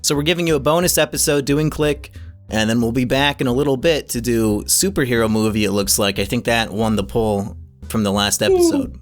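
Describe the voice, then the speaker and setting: A man's voice: mid-range voice, sing-song, soft background music. A man with a Midwestern accent hosting a casual movie podcast, hyped and teasing in his banter. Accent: Midwestern American. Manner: hyped, teasing, quick to laugh. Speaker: podcast host.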